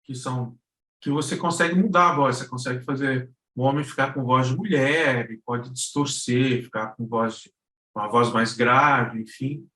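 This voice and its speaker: A Brazilian man giving an informal online lesson, halting as he searches for words. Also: medium pitch, sharp tone. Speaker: guest lecturer on podcast production. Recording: roomy, echoing live-stream sound.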